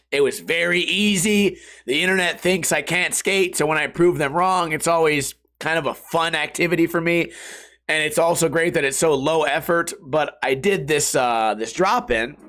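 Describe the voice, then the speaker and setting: A man's voice: a little high, a bit bright. A young man from the United States hosting his podcast while sick and half out of voice, rambling casually in slang and swear words. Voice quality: hoarse, rough voice. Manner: slangy and profane, drifting between topics. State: sick, voice partly lost. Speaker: podcast host.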